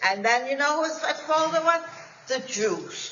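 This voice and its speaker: With a German accent, a woman speaks at a fairly slow pace with lively intonation. Noticeable background noise is present. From Germany. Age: 90s. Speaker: holocaust survivor speaking to students. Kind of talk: testimony.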